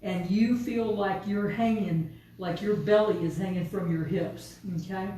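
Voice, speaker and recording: A woman leads a yoga class with calm, patient, step-by-step cues. Her voice is mellow and soft-edged. She is heard from some way off the mic in a very echoey studio room with faint ambience behind her. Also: medium pitch, distant mic, slight background noise. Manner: calm, unhurried step-by-step cueing. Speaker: yoga teacher. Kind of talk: guided yoga class instruction.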